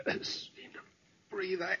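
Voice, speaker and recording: An actor playing a stabbed, dying shopkeeper in a 1940s radio crime drama, gasping for breath and struggling to speak. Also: male voice, unhurried, pushed and bright. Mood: gasping, desperate. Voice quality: husky, gravelly, breathless. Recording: dull lo-fi 1940s radio recording.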